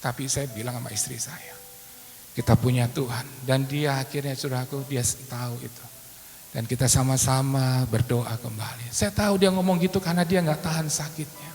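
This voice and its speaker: A middle-aged male pastor giving a sermon testimony, swinging between loud exhortation and hushed, emotional confession. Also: medium pitch, steady tone, fairly quick. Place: church sanctuary. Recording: echoey church hall with music.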